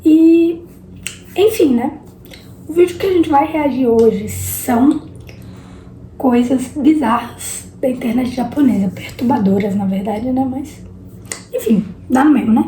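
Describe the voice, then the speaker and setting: A woman with a high pitch and lively intonation speaks fairly slowly, with long, frequent pauses and noticeable background noise. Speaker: YouTuber. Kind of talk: casual reaction video. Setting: sister's bedroom. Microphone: possible room echo.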